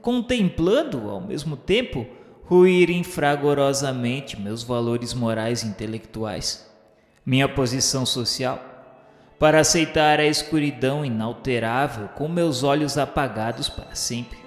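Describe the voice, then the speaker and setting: Slow, echoing, remorseful male spirit, voiced by an actor. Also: medium pitch, close to an everyday voice. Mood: anguished, resigned. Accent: Brazilian. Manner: solemn, grandiloquent, slow declamation. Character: remorseful spirit of a blind nineteenth-century suicide, solemnly confessing. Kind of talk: dramatic radio novela monologue, literary narration. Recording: echoey hall reverb, music underneath.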